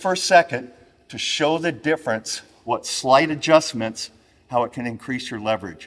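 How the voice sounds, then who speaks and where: Using a plain, everyday voice, this man keeps a moderate tempo and shows ordinary pitch variation. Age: 60s. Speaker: jiu-jitsu instructor. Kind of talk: seminar instruction.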